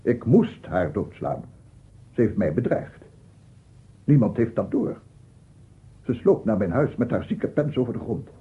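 A man's voice: mid-range voice, very animated, measured pace, long pauses, slight background noise. An actor playing an aggrieved, unstable scientist in his sixties, pedantic and insistent, in a radio play monologue. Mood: agitated, aggrieved. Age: 60s. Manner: pedantic, insistent, repeats himself. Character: aggrieved, unstable 67-year-old bachelor scientist, self-justifying and obsessive. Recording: muffled, phone-like old radio recording.

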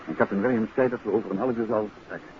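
A man acting a composed, inquisitive gentleman detective in a 1950s radio drama, speaking courteously and in measured questions. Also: on the low side, steady tone, close to an everyday voice. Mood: calm, serious. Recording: dull, noisy 1950s radio recording.

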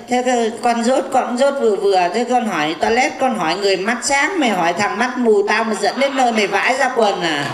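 A man playing a boastful, teasing blind fortune teller in a stage comedy skit. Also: extremely high pitch. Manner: bragging, teasing, insulting banter. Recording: echoey live stage with audience.

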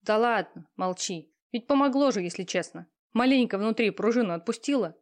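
A woman voicing a pushy, talkative young female friend who teases and lectures loudly. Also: on the high side, lively intonation, fairly quick, close to an everyday voice. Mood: bossy. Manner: loud, teasing, talkative.

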